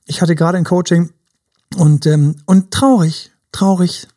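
A dating coach muses in a casual, reflective podcast chat, acting out advice to his younger self, sometimes dropping to a whisper and working in English words. His voice is high, mellow, and fairly even, and his pace is measured.

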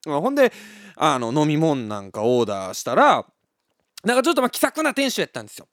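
Animated Osaka-accented man telling a story. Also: a little high, fast, no echo, studio quality. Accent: Kansai (Osaka). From Osaka, Japan. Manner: animated, laughs often, many fillers. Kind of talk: casual storytelling monologue.

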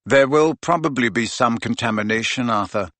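A man voicing a steady adult wizard who talks firmly and soberly, with reassurance. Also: medium pitch, normal speed, no room sound, lightly acted. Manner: firm, sober.

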